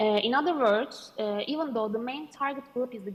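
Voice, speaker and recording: A woman's high voice with a Turkish accent, at a fairly quick pace over noticeable background noise. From Turkey. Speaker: academic researcher. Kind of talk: conference presentation. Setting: video call.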